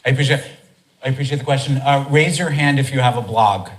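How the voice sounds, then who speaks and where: Male event host, american, energetic and chatty, average pitch. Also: fast talker, low-quality recording. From United States. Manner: energetic, chatty, many restarts. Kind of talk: live talk to an audience. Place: conference hall.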